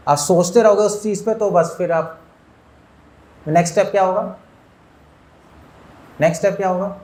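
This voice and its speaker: A man's voice: sits high, normal speed, darkish tone. A man, a monk, giving a spiritual lecture to an audience, asking them questions and mixing in English words. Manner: asks listeners questions, mixes in English words.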